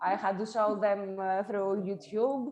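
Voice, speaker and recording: A woman is speaking. She has a Greek accent. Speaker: trainer. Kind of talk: workshop wrap-up, casual closing remarks. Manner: hesitant, many fillers.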